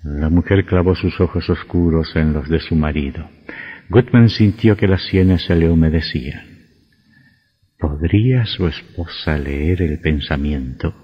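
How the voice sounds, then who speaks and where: Deep-voiced man narrating a radio drama. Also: slightly rough. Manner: measured, suspenseful. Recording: dull lo-fi audio with faint music.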